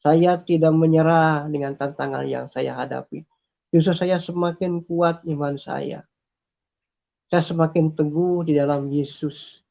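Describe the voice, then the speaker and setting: A man's voice: a little high, steady tone, measured pace, gravelly, mellow. A man telling his personal faith testimony in an earnest, repetitive way, with frequent hesitations. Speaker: testimony speaker. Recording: dull lo-fi recording.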